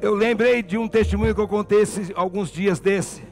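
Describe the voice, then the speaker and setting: A pastor with a Brazilian Portuguese accent, preaching a sermon and telling a story with passion. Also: male voice, high-pitched, steady tone, normal speed, soft background music.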